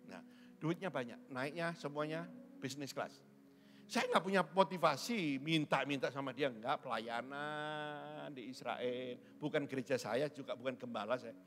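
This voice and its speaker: His voice is mid-range and a bit bright, moving at a moderate pace. A middle-aged man serving as pastor, he preaches to his congregation in a church hall, teasing and joking with them, while the space adds long reverb.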